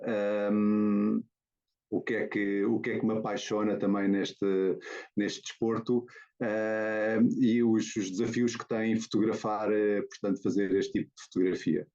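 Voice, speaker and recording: Hesitant Portuguese man, dark muffled call. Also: lowish voice, flat delivery, moderate pace. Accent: European Portuguese. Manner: hesitant, many fillers and restarts. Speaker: guest photographer. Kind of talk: presentation over a video call. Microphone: video call. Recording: dull lo-fi video call audio.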